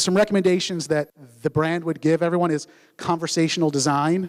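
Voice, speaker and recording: A fairly high-pitched man with a Philadelphia accent, fairly quick and fairly even in intonation, in a dry, close sound with no echo. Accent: Philadelphia accent, noticeable. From US, Philadelphia. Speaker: conference speaker on conversational AI. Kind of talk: conference presentation.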